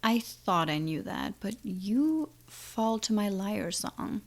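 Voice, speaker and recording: In an audio drama, a woman plays an ancient, menacing siren, taunting and condescending with a theatrical drawl while sounding intrigued and gloating. Her medium-pitched voice is animated and creaky, and she takes it slowly.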